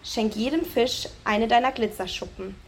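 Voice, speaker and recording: A woman voicing a wise old male octopus in a storybook, solemn and deliberate. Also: fairly high pitch, slight background noise, lightly acted.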